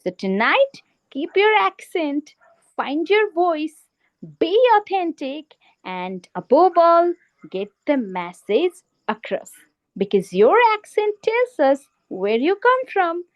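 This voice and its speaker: A woman hosting a club meeting, giving a formal opening speech with deliberate, emphatic phrasing and rhetorical pauses. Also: high voice, very animated, rough recording. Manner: emphatic, in short list-like phrases. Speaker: meeting host.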